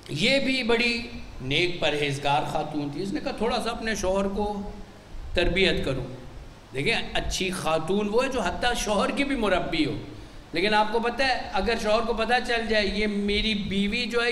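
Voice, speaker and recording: A man with a Pakistani Urdu accent preaching a Muharram sermon, telling stories and acting out quoted dialogue in animated bursts. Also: slight background noise. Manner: animated storyteller, acts out quoted dialogue with pitch jumps. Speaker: Shia cleric giving a Muharram majlis sermon. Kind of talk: sermon with storytelling. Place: large imambargah hall. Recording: echoey hall with faint crowd ambience.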